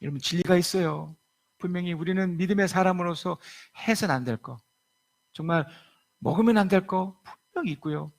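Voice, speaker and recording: A man preaching a sermon in a church, telling the story in a lively way and acting out the voices he quotes. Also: sits high, a little fast, gravelly. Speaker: pastor. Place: church sanctuary.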